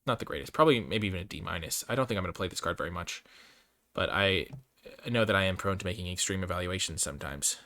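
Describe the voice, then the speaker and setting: A man's voice: low-pitched, quick pace, pushed and bright, no echo. A man hosting a casual, off-the-cuff card game review, thinking aloud and revising his opinions as he goes. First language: English. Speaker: host reviewing trading card game cards.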